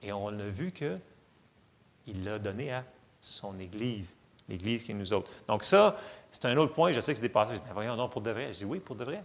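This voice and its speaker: A man with a Quebec accent, medium pitch and lively intonation, at a moderate pace broken by long, frequent pauses. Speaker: pastor. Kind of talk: sermon, preacher in full flow, teaching with scripture, rhetorical questions and prayer. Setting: church. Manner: animated, conversational and earnest; urgent, forceful, commanding when praying and declaring.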